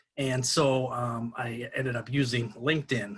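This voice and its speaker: This man has a bright, sharp tone and medium pitch. His intonation stays fairly even. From North Dakota. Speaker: marketing consultant. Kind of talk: webinar presentation. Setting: webcam. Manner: fast; hesitant, many fillers.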